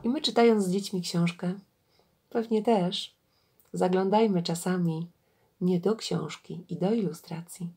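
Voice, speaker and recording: A woman who teaches about children's reading, talking gently to parents and reading a fable aloud in an animated storytelling way. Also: fairly low pitch, measured pace, slightly rough.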